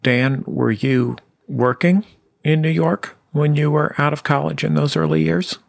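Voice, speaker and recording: Husky-voiced male radio host. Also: on the high side, fairly even intonation. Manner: measured, dry questioning. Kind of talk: radio interview and announcements.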